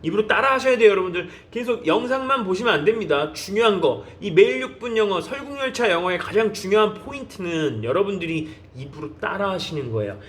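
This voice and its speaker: Korean man, high voice, teaches English by drilling phrases slowly and coaxing learners. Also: expressive, a bit bright. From South Korea. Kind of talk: online English lesson.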